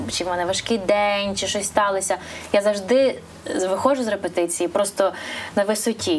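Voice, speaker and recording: The woman's voice sits at a medium pitch with fairly even intonation and a moderate pace. Noticeable background noise runs under the recording. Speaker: choir leader. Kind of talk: interview. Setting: studio. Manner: halting.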